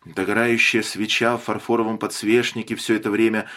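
A man narrating a dark short story as a dramatic audiobook, measured and expressive. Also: fairly low pitch.

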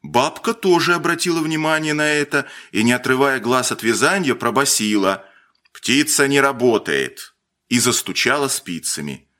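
A man reading a story aloud, with a measured and expressive delivery. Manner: expressive, measured reading with shifts in pitch for emphasis. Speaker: narrator. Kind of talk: scripted storybook narration.

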